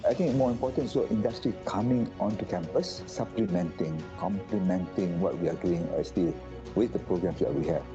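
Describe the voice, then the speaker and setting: A man speaking as a university leader in a promotional interview, deliberate with pauses. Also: sits low. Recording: dull lo-fi audio with music bed. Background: background music.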